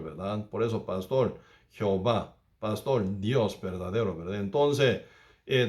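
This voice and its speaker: A man preaching a Bible study as a pastor, speaking with halting phrasing, repeating himself and often adding tag questions. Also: medium pitch. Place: church.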